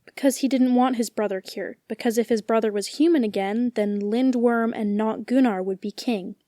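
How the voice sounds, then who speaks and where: A woman's voice: fairly high pitch, moderate pace, mellow, no echo, clean studio sound, natural voice. A woman playing a feisty young lady knight in an audio fantasy comedy, indignant and no-nonsense. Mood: certain. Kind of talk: audio fiction comedy acting.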